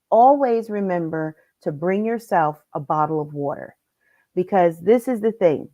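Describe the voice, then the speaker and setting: A woman's voice: mid-range voice, dark tone. Upbeat woman coach with allergy-thick voice. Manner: upbeat, addresses viewers directly. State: congested from allergies. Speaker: life coach. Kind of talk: live-streamed coaching lesson.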